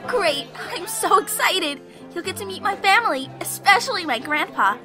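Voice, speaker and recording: A really high, swooping voice over clear music belongs to a bubbly young woman student. She is eager and naive, chattering excitably in an audio drama. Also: normal speed, a crowd in the background. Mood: excited, eager.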